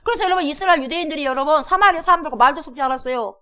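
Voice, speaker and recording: A woman's voice: sits high, racing, pushed and bright. A woman pastor preaching a sermon in a church, emphatic, firing rhetorical questions at the congregation and acting out quotes. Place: church sanctuary.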